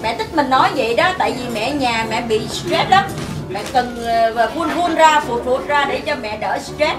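A cheeky, chatty woman with a high voice in a comic sketch. She sounds distant in an echoey space, with loud music behind. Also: expressive, normal speed.

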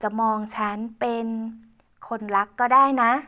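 A woman's voice: measured pace, bright, forceful tone. A woman voicing a playful, bold young tomboyish woman who teases and speaks her mind directly. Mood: affectionate. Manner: teasing and direct.

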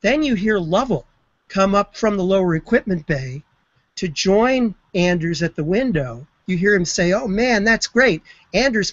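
A man who studies spaceflight history retells an event with lively enthusiasm in an online video chat. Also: sits high, dry recording. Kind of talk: storytelling explanation. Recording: slightly muffled web broadcast.

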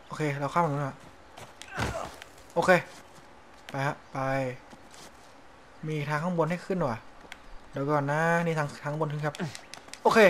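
A man's voice: a little high, a little hiss or hum. A man hosting his own gaming channel, giving casual, joking let's-play commentary and swearing at the game. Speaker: game streamer host.

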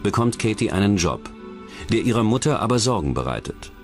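A man's voice: lowish voice, big pitch swings, fairly quick. A man reading scripted true-crime documentary narration as the narrator. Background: background music.

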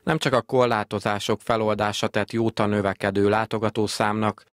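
A male news reporter reading a scripted report in a steady, formal way. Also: fairly low pitch, no echo. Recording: faint background noise.

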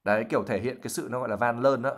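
A man's voice: medium pitch, steady tone, racing. Brief: male language teacher, patient explainer, lots of fillers, livestream lesson. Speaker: English teacher.

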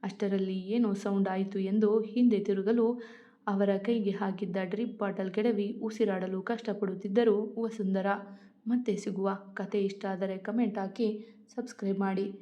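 A woman storyteller reading her own story aloud at a steady, measured pace. Her voice sits in a middle pitch. The recording sounds dull and lo-fi. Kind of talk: scripted story narration.

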